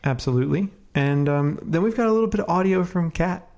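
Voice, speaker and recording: A man co-hosting a podcast in a relaxed, chatty way, sounding congested and sniffly from a cold and leaning on fillers. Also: on the high side, fast talker. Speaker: podcast co-host. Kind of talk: casual podcast chat.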